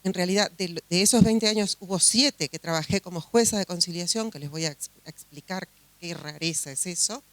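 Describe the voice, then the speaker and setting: A woman's voice: on the low side, a little fast, hardly any pauses, no room sound. A woman from Uruguay with a Uruguayan Spanish accent, a judge giving a chatty conference talk full of fillers and restarts. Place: conference hall.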